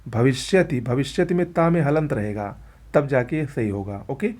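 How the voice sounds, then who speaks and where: Brisk male teacher drilling spellings. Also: medium pitch, darkish tone. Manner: brisk, repetitive, pointing out words on screen. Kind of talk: exam-prep spelling lesson.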